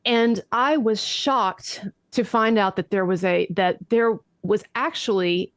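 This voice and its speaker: A woman's voice: mid-range voice, slow pace, no echo, clean studio sound. A woman guest laying out a story methodically and fluently, her voice a little nasal from allergies. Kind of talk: storytelling in an interview.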